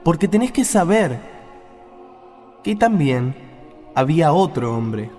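An Argentine man acts out a measured Argentine teacher telling a parable in an amateur radio play. His high male voice moves slowly and with wide swings in pitch. It rings in long reverb. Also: very animated, a little mellow. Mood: measured storytelling. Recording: long reverb, music behind.

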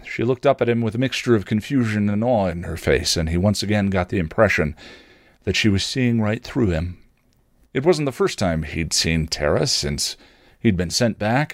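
Expressive low-voiced male storyteller. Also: no echo, studio quality. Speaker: fan fiction reader. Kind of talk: expressive scripted story narration.

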